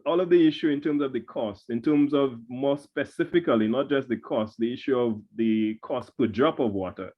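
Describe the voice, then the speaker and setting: A man explaining in an emphatic, roundabout way as a presenter in an online session. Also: mid-range voice. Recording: dull lo-fi online call.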